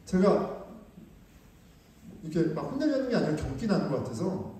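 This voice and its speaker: A man with a high, mellow voice preaches a lively, conversational sermon full of rhetorical questions. The sound is picked up from a distance and rings with the heavy echo of a large church hall. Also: normal speed. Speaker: pastor. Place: church sanctuary.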